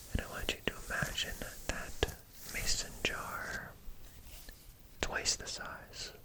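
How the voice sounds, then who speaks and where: Whispering at a very slow pace with long, frequent pauses, a man is heard over noticeable background noise. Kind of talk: guided meditation.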